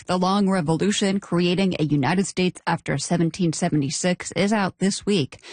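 A woman with a lower voice hosts a radio news show, reading her script in a measured, clear way. The sound is dry and close. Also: no echo. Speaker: news host.

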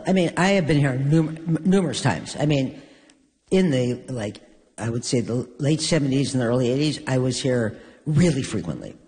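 An older woman from New York, a guest in an onstage conversation, telling stories with wry, deadpan humor. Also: rumbling low, normal speed. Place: stage in a hall. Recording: long reverb of a large hall.

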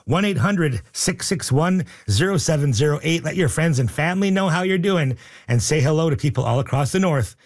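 A man hosting a radio call-in show, upbeat and joking, reading out the phone number slowly. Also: fairly high pitch, animated. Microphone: studio microphone.

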